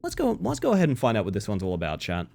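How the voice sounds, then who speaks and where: A man streaming a video game, slightly hoarse, talking to his chat in an animated, joking way. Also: on the low side, very fast, soft background music. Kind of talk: casual live-stream chat.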